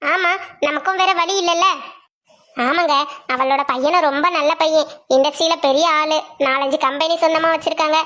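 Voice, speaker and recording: A woman voicing a practical, sharp-tongued middle-aged wife who coaxes and teases her husband. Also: high-pitched, steady tone, moderate pace. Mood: coaxing. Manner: coaxing then teasing. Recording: soft music underneath.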